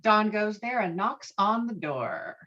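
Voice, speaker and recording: A woman narrates stage directions for a script read. Her mid-pitched voice moves animatedly up and down, and the audio is slightly dull and lo-fi. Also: animated, slow, bright, forceful tone. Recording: dull, lo-fi online call audio.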